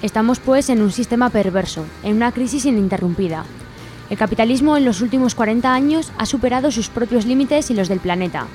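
A woman's voice: a little high, brisk, a little mellow. A woman with an accent from Spain reading an indignant, scripted editorial as a radio presenter. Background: music under the voice.

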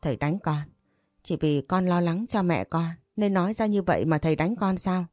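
Woman doing an hysterical grieving daughter, storybook figure, shrill accusations, low mellow tone, dry sound. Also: moderate pace, no room sound, soft background music, close to an everyday voice. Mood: bitter. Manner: shrill accusing rants, sobbing pleas.

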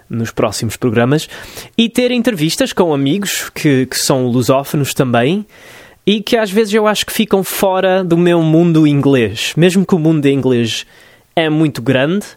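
A man from New Jersey, talking in Portuguese as a podcast host, reflective and full of pauses and restarts. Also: mid-range voice, no echo, clean studio sound. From United States (New Jersey). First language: English. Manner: hesitant, many fillers and restarts, reflective. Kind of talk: casual solo podcast monologue.

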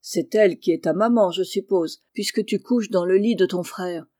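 Lectrice faisant un paysan d'âge mûr, franc et bon, ton bas et feutré, lecture de livre audio. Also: female voice, normal speed, no echo, studio quality, close to an everyday voice. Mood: gruff. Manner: low, hushed and blunt. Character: gruff kindly middle-aged male farmer. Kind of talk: audiobook character reading.

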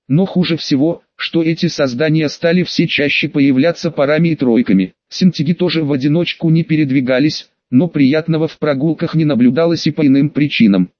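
A man narrating a fantasy audiobook in a steady, even storytelling manner. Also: on the high side, no echo, lo-fi sound.

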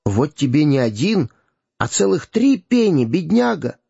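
A man voicing a kindly, pitying gentleman who speaks earnestly. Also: on the high side, sing-song, unhurried, creaky, breathy edge, no room sound, pitched above the performer's own voice, full character voice. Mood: sympathetic. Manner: earnest and sympathetic. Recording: dull, dry lo-fi recording.

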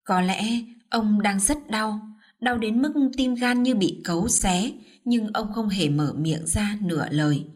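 A woman narrating a dramatic story in an expressive storytelling manner. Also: medium pitch, unhurried. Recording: faint background music.

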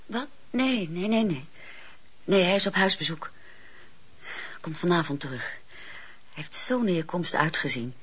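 An actress playing a passionate, earnest wife with an emotional, halting manner in a radio play. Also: female voice, lowish voice, expressive, a bit bright, breathy edge, exaggerated voice. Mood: pleading. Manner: emotional, halting when pressed. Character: passionate, earnest wife pleading with her husband. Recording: dull lo-fi radio play recording.

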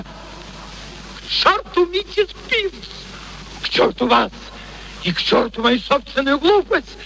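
An irascible, bullying professor from a radio play. The voice sits very high for a man and swoops in lively, sharp exclamations. He blusters theatrically and indignantly. Slight noise sits on the old recording. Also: vocal fry, full character voice, low-quality recording. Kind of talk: Russian radio play acting.

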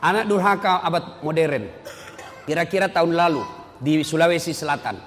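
A male Islamic preacher giving a lively sermon full of stories, swinging between loud emphatic rises and low, quiet drops. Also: moderate pace. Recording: long hall reverb.

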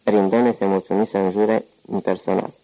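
A man narrating an audiobook novel with a steady, measured reading. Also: low-pitched, rough recording. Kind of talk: scripted narration.

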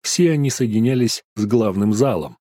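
A man narrates an audiobook with a low, steady voice. His reading is even and measured. The sound is close and dry, with no room echo. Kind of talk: scripted first-person fantasy narration.

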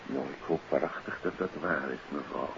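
A man's voice: a bass voice, brisk, vocal fry. An actor playing a troubled psychiatrist and father, speaking earnestly and formally in a 1950s radio drama. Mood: perplexed, uneasy. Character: troubled psychiatrist father, baffled by his daughter. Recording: hissy, dull old radio recording.

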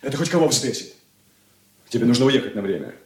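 An actor playing an irritable, curt young elder son in a radio drama. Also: male voice, mid-range voice, very animated, fast talker, darkish tone. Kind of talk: 1980s radio drama acting. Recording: roomy, from a distance.

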